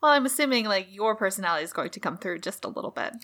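A woman player making quick, wry remarks at a tabletop game. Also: mid-range voice, animated, fairly bright tone.

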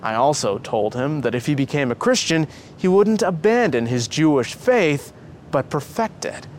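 An earnest, pious young storybook hero, read by a male narrator, reassuring and persuasive. The voice is fairly high with very varied intonation, over faint noise. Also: lively intonation, moderate pace, darkish tone, lightly acted. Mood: calm, persuasive. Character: earnest, pious young man counselling his friend.

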